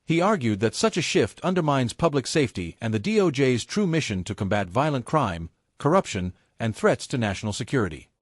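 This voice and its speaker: A man reading scripted news narration in a steady, measured way as a voice-over. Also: medium pitch, no room sound. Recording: dry close voice-over.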